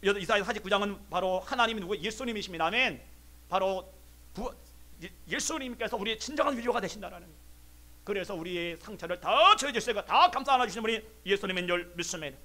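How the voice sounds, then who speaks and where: High, bright-voiced preacher man. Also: lively intonation, quick pace. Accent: Korean. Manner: fervent preaching with swings between loud calls and hushed storytelling. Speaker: pastor. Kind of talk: sermon.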